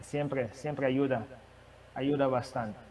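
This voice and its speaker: A man who is not a native Spanish speaker, preaching and sharing a testimony, with a halting manner and many restarts. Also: medium pitch, fairly even intonation, far from the mic, noisy background. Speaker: guest preacher. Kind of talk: sermon testimony.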